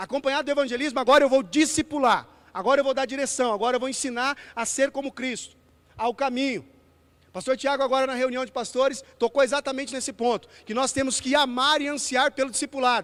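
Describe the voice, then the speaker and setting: Talking at a fairly quick pace, a man with an extremely high pitch keeps his intonation fairly even in a dry, close sound with no echo. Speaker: pastor. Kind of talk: sermon. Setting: church. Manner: fast.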